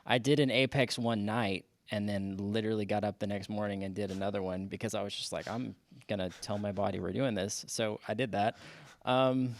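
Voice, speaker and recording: Forties male guest, gravelly low voice, halting storyteller, dry close recording. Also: steady tone, no room sound. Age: 40s. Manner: halting, many restarts and fillers. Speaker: podcast guest. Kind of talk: casual interview chat.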